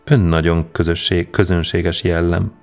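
A man voicing a cocky young male swindler who talks smoothly and mocks the people around him. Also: sits low, level tone, darkish tone, faint music behind. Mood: sly, mocking. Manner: mocking, self-assured, brisk.

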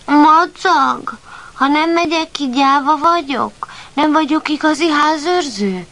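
A woman voicing an excited, curious little male puppy who exclaims in a high, eager voice. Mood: wistful.

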